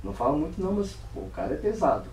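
A man's voice: high-pitched, rapid-fire, vocal fry, a little hiss or hum. A man giving a storytelling speech at a club meeting, acting out the dialogue in different voices. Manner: animated, acts out dialogue in varied voices. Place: meeting room. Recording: echoey room from far off.

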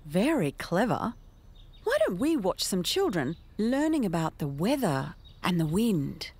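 A woman's voice: fairly low pitch, big pitch swings, a little slow, darkish tone, slightly rough. A middle-aged woman presenting a children's TV show in an encouraging, sing-song way.

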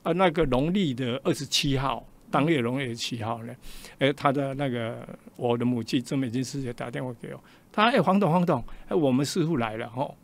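An older man with a Taiwanese Mandarin accent, a guest on a radio interview, tells a personal story at a fairly quick pace in a medium-pitched, creaky voice. He's animated, acting out the quoted dialogue in shifting voices.

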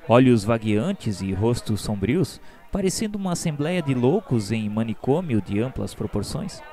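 A man narrating a radio novela from a script in a formal, measured, literary manner. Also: mid-range voice, sing-song, dark tone. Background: background music.

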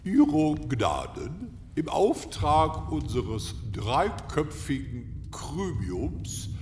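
A man playing a stiff, ceremonious old castle butler in a comic fairy-tale audio drama, with pompous formal delivery. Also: mid-range voice. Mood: solemn, official. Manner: pompous, formal, deliberate proclamations. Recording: echoey hall, distant, faint noise.

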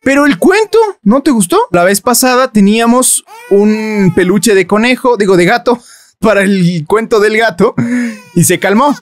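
A man giving playful, joking commentary while playing a game, breaking into squeaky exclamations. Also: normal speed. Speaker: gaming youtuber. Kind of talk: let's play commentary.

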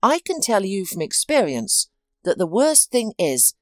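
A woman reading as a measured male officer. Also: medium pitch, sing-song, no room sound, clean studio sound. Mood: businesslike. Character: composed male law-enforcement officer.

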